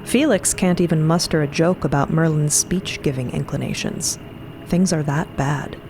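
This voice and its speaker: A woman narrating a scripted audio drama in a solemn, measured manner. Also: low voice, background noise.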